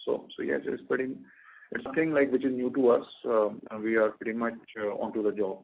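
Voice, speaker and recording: A man with an Indian accent, a company executive answering investor questions, haltingly repeating words and tagging phrases with okay and right. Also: medium pitch, flat delivery, creaky, slightly rough. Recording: narrow, tinny phone conference line.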